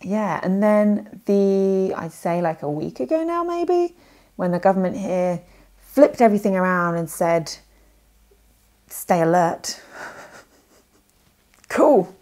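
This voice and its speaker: A woman's voice: medium pitch, sing-song, takes it slowly, long pauses, darkish tone. A young woman chatting to camera in a casual vlog, rambling with lots of fillers and self-corrections. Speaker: language learning vlogger. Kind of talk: casual talking-head vlog.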